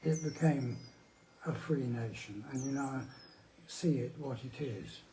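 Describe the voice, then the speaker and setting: Amid noticeable background noise and audible room echo, a man talks at a fairly slow pace in a medium pitch with ordinary pitch variation. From England, London. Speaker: elderly resident interviewed. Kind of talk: life story interview. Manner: halting, with fillers.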